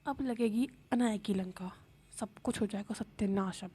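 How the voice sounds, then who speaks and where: A woman's voice: mid-range voice, moderate pace, mellow, husky. A woman narrating a love story in a plain, conversational storytelling style.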